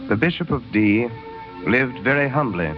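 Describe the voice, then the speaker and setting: A man narrating a radio drama in a measured storytelling way, on a muffled old broadcast. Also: medium pitch, lively intonation. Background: music.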